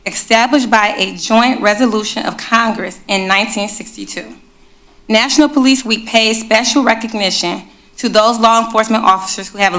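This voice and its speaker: A woman chairing a city council meeting, talking to the room in a chatty way and reading a proclamation at a desk microphone in a council chamber. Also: medium pitch. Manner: chatty, warm asides to the room. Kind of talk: presiding over a public meeting, reading a proclamation.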